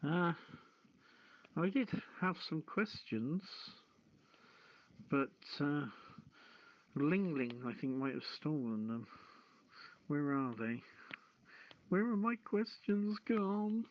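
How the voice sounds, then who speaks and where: A man hosting a casual live show, chatting and reading items in a halting, jokey manner. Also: on the high side, animated. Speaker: radio show host. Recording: dull, lo-fi audio.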